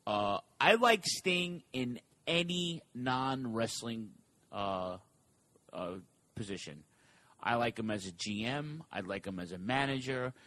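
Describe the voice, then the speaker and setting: A man in easy, casual talk, voice at an ordinary pitch. He is recorded up close and dry, with little room sound. He reads out questions and then jumps in fast with opinions. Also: no room sound. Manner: animated, fast asides, reads listener questions. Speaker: podcast co-host.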